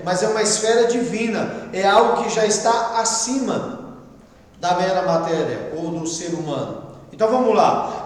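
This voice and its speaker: A Brazilian man teaching a Bible class as pastor, reading a text and explaining it in a conversational way with quiet asides. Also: high-pitched. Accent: Brazilian Portuguese. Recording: echoey room with long reverb.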